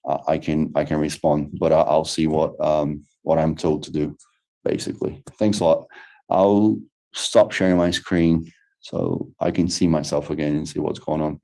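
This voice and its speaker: This is a Brazilian man with a deep, dark voice that barely rises or falls. He answers questions hesitantly, with many fillers and self-restarts. He is speaking over a video call. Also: level tone, moderate pace, vocal fry, rough recording. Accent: Brazilian Portuguese. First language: Portuguese. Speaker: lecturer. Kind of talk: online lecture Q&A.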